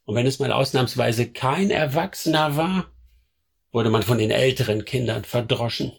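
A bitter medieval street survivor with a raspy, mid-pitched voice. He narrates hard memories wryly in scripted radio-play style. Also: fairly even intonation, normal speed. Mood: wry bitterness. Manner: wry, bitter. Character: bitter former street urchin recalling medieval beatings. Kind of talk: scripted first-person audio drama narration.

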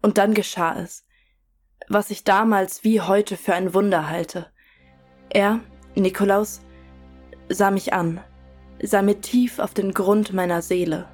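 A woman's voice: medium pitch, darkish tone. A woman playing a devout follower in a German audio drama, giving earnest, reverent testimony about her youth. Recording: music under the voice.

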